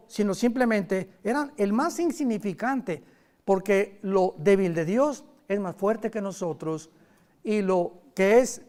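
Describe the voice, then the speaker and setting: A man preaching a sermon in a lively, conversational way, with sudden loud emphasis and quick asides. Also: high voice.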